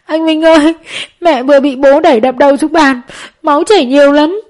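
Lady putting on a crying little sister, high shaky voice, begging, storybook reading. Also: brisk, a little mellow, close to an everyday voice. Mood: sobbing, panicked. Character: sobbing panicked young woman, a younger sister.

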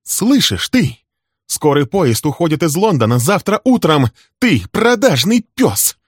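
A man reading an audiobook, voicing a furious scorned woman who shouts her accusations. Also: mid-range voice, brisk, slightly rough, dry recording, clean studio sound, voice pushed up, lightly acted.

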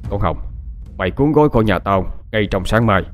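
A stern old patriarch, voiced by the male reader, lays down threats. He speaks briskly and coldly, close to the reader's own voice. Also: on the low side, lively intonation, faint music behind, lightly acted. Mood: menacing.

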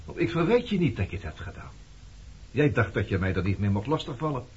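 A man's voice: mid-range voice, very animated, quick pace, slightly rough. An actor playing a blunt, reproachful man questioning his former lover in a Dutch radio play. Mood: insistent. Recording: muffled, noisy old radio recording.

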